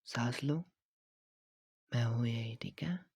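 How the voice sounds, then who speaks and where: A man playing a slow, gravelly flirty gym trainer. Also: no echo, studio quality. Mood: teasing. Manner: soft, coaxing, teasing with frequent low laughs; mixes Hindi and English phrases. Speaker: ASMR creator. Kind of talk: whispered role-play.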